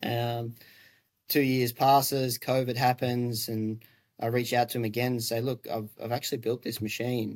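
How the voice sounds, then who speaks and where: A man with an Australian accent at a moderate pace, medium in pitch, with monotone, flat intonation. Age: 20s. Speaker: construction tech founder. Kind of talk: podcast interview. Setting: remote call.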